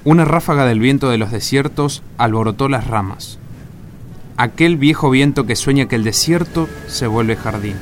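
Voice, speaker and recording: A man's voice: mid-range voice, normal speed. A male narrator tells a scripted radio story. His mid-range voice is reflective and lyrical, set over prominent music. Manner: poetic, reflective.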